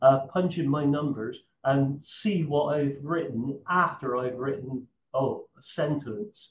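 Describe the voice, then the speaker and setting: At a very slow pace, a man with a fairly high pitch speaks in a somewhat breathy voice. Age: 80s+. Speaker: author. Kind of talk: interview. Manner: halting.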